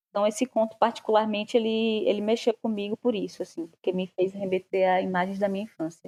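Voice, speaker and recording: Delivered very fast with hardly any pauses, a dark, mellow voice in a Bahian accent holds fairly even intonation, with a dry, close sound and no echo. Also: woman, medium pitch for a woman. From Bahia backlands, Brazil. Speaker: podcast host, book discussion. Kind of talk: casual book discussion. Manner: conversational, with fillers.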